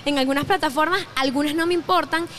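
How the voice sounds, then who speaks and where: Speaking fast in a high, somewhat bright voice, this young Venezuelan-accented woman is a chatty podcast guest in a casual interview. She frequently restarts and corrects her sentences and laughs readily, with slight hiss or hum in the audio.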